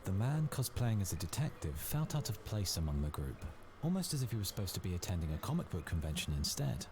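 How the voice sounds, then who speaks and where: A man's voice: deep voice, very animated, fast talker. A man reading scripted story narration for a visual novel. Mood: narrating. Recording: clearly noisy background.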